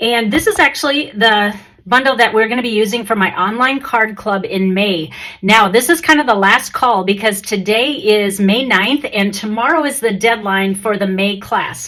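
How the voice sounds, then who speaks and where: A woman's fairly high voice with a slight Minnesota accent. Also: ordinary pitch variation, moderate pace. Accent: slight northern US (Minnesota). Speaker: papercraft demonstrator. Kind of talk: craft tutorial. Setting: home craft room. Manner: chatty, friendly.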